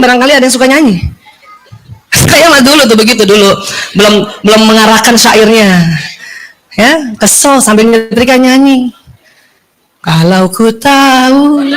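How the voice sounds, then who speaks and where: A woman giving a lively religious lecture to women, often asking her listeners questions. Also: a little high, slight background noise, low-quality recording.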